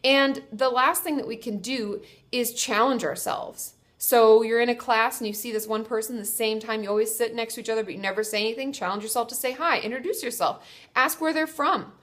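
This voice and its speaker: A woman's voice: fairly high pitch, brisk, fairly bright tone. Stuffy-nosed woman giving friendly advice. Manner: chatty, reassuring, self-correcting with fillers. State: congested, stuffy nose. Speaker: therapist answering viewer questions. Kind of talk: casual advice vlog.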